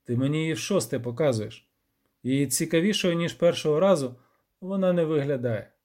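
A man's voice: fairly high pitch, animated, fairly quick, darkish tone, close to an everyday voice. A man voicing a grim, terse male monster hunter who speaks in clipped orders. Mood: stern. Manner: curt, hissing.

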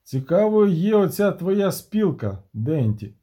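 A man voicing a shrewd, gruff male dwarf banker who talks frankly and cynically in an audiobook. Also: sits high, very animated, a little slow, dark tone, exaggerated voice. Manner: worldly, cynical, frank talker.

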